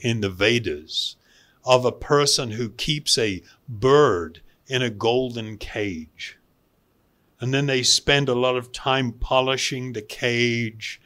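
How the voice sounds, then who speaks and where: A man giving a spiritual lecture as a teacher, speaking deliberately with pauses and repeating phrases for emphasis. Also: medium pitch, fairly bright tone. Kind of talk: spiritual lecture to a live audience.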